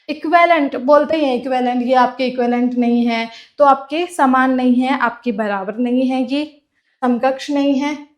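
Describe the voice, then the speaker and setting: A woman teaching for a clerk exam, explaining terms by repeating them and asking and answering her own questions. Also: sits high. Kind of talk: classroom lecture.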